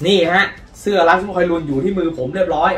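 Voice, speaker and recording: A man hosting a casual football news vlog, chatty and lively in his storytelling. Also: sits high, quick pace, reverberant, far from the mic. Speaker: football channel host.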